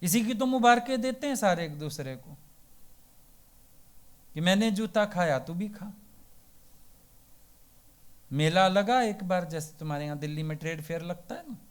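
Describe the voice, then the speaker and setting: A man giving a devotional sermon as a spiritual teacher. He tells folksy parables and keeps asking rhetorical questions. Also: high-pitched. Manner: folksy and plain-spoken.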